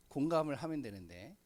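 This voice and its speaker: A middle-aged man preaching a sermon in a church, speaking conversationally with many fillers and frequent throat clearing. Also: mid-range voice, no room sound. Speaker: pastor. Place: church sanctuary.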